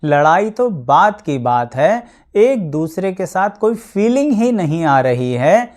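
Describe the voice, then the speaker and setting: A man talks as an astrologer to his viewers in a steady explanatory style. He keeps things practical and simple, walking through everyday examples. English words slip easily into his speech. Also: high voice, takes it slowly. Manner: mixes English words into Hindi.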